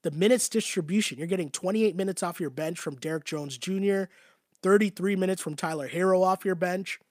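A man's voice: high-pitched, a little fast, no room sound, clean studio sound. A man losing his voice, hosting a casual basketball talk show and answering his live chat in a chatty way, often tagging his points with "right?". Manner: conversational, repetitive, often asks "right?".

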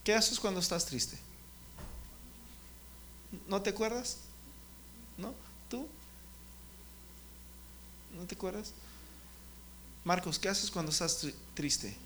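A man's voice: sits high, expressive, takes it slowly, long pauses, a bit bright, a little hiss or hum. A man giving a children's sermon, often stopping to question the kids by name. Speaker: children's ministry preacher.

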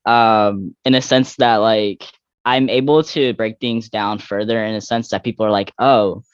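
A man's voice: lowish voice, steady tone, unhurried, smooth, no room sound, lo-fi sound. A young trans man in his twenties, a guest in a candid interview, talking reflectively with frequent fillers and restarts. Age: young adult.

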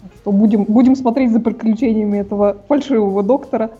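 A woman's voice: a little high, quick pace, mellow, highs cut off, soft background music. A woman co-hosting a podcast, giving her hesitant, casual opinions on TV shows. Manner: hesitant, many restarts and fillers. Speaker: podcast co-host. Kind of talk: casual TV review chat.

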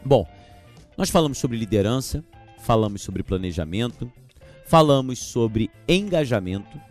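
A man hosting a podcast on teaching, lively and gesturing as he talks. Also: medium pitch, measured pace, faint music behind. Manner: animated, gesturing while speaking, mocking teachers' verbal tics. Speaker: podcast host and teacher trainer. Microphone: podcast microphone.

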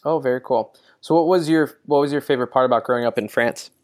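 Interviewer, mid pitch, upbeat, encouraging, casual questions. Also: quick pace, a little mellow.

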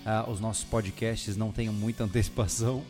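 A man hosting a casual podcast, relaxed and joking, recorded in a bare new house whose room still echoes. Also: on the low side, brisk, faint music behind. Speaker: podcast host. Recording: long echo from a bare room.

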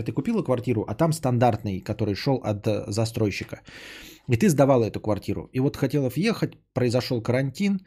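A young man hosting a podcast, reading out donations and chatting casually, sarcastic and rambling, often trailing off into low mutters. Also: dark tone, husky. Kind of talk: casual stream chat.

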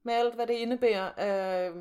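A woman's voice: a little high, steady tone, mellow, clear, resonant tone. A woman co-hosting a podcast in casual chat, sarcastic and swearing often. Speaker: podcast co-host.

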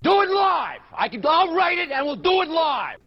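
Man, angry shouting, very high strained voice, swooping pitch, dull lo-fi clip. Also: very animated, moderate pace.

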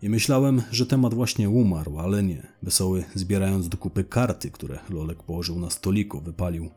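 A man's voice: low voice, normal speed, darkish tone, slightly rough, soft background music. A man narrating a first-person crime story in a blunt, slangy way, swearing now and then.

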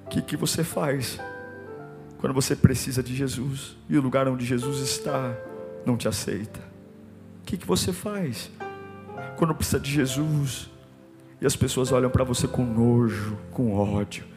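A man preaching a sermon, emphatic and repetitive, dropping to a hush and then rising to force. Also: mid-range voice, normal speed. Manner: emphatic and repetitive, swinging between hushed and forceful. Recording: long hall reverb with soft music behind.

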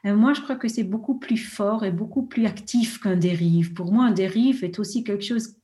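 A woman researcher responding in a discussion at a listening session, speaking in halting phrases with pauses and restarts. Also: medium pitch, dark tone.

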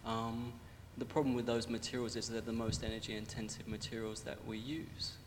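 Challenging man in an echoing hall. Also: completely flat delivery. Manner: challenging, measured, with fillers. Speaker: questioner in discussion. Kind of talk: pointed question. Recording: reverberant hall with low rumble.

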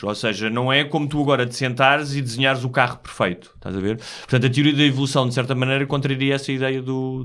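A man's voice: medium pitch, a bit bright. A man with a European Portuguese accent explaining ideas in casual conversation, often checking that he is understood.

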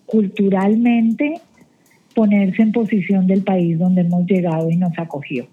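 A woman's voice: medium pitch, steady tone, unhurried. A woman from Colombia, guest on a show, giving firm advice over the phone. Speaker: guest, event organizer. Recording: tinny phone line.

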